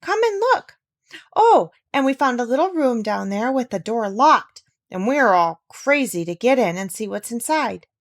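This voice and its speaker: A woman voicing an excitable, gushing female duck in a storybook, chatty and emphatic. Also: fairly high pitch, normal speed. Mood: delighted, excited.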